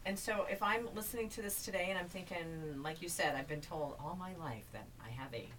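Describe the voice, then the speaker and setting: A woman's voice: fairly low pitch, a little fast, noisy background. A woman hosting an interview, affirming her guest and steering the chat with questions. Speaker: interview host. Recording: distant mic with faint ambience.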